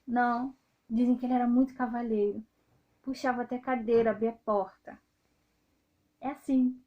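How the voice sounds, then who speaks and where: A Brazilian woman in her thirties, speaking with a Brazilian accent, talking straight to her viewers in a loud, outspoken, indignant way. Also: fairly high pitch, steady tone, moderate pace, lo-fi sound. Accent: Brazilian Portuguese. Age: 30s. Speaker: video host. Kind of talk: casual monologue to viewers.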